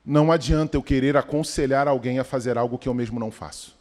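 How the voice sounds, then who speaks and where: A man pastor delivering a sermon, emphatic and rhythmic, with sudden swells and soft low drops. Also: fast talker. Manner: emphatic preaching with rising calls and quiet drops. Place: church sanctuary. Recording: long church reverb.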